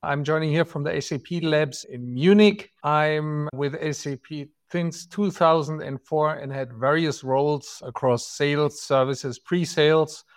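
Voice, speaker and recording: A man's voice: a little high, a little slow, few pauses, smooth. A middle-aged man from Germany with a German accent, explaining product topics as a podcast guest, often adding "right?" and "so to speak". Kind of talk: podcast interview answers.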